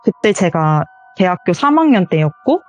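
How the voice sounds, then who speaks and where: A woman's voice: on the low side, sing-song, moderate pace. A young woman telling her own ghost story as a caller on an interview show, earnest and quoting others in acted lines. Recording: voice call with faint music behind.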